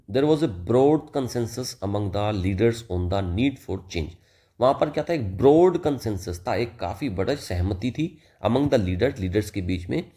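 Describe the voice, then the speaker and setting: A man teaching English vocabulary in a loose, conversational manner. He reads the example sentences slowly and deliberately, then explains them casually, now and then calling the listener "brother". His pitch sits in the middle range for a man. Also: warm tone. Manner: mixes Hindi and English, addresses listener as "bhai". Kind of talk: explanatory lesson.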